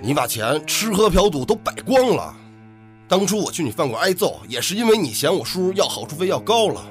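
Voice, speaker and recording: A man's voice: sits high, very animated, fairly quick, faint music behind. Man acting accusing young man, voice swinging wildly. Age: young adult. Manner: cursing, accusatory shouting. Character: furious, accusing young man grieving his dead uncle. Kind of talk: radio drama acting.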